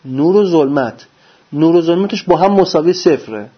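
Husky-voiced man preaching with rhetorical questions. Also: on the high side, expressive. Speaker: religious teacher. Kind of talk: religious lecture. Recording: dull lo-fi recording.

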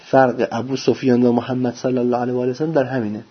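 A man giving a religious lecture, preaching with lively rhetorical questions and answering them himself. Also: mid-range voice, husky. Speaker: religious teacher. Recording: dull lo-fi recording.

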